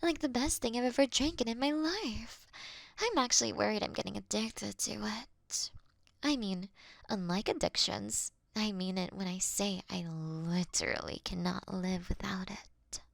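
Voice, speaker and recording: A woman's voice: mid-range voice, creaky, no room sound, clean studio sound. A woman playing a courteous, doting vampire in a scripted roleplay, speaking intimately and breathily, often slipping into a whisper. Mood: earnest, coaxing. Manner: slow, intimate, gently theatrical. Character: female vampire, courteous, doting, wryly confessing to her sleeping prey. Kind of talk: scripted roleplay audio for one listener.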